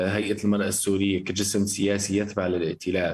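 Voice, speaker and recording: A man's fairly low-pitched voice with audible room echo. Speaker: NGO executive director. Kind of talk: radio interview.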